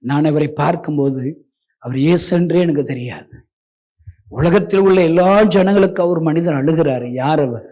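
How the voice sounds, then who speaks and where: A middle-aged male preacher giving an emotional testimony sermon. He swings between loud pleading and hushed, near-tearful talk, and addresses his listeners respectfully and directly. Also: on the high side, normal speed.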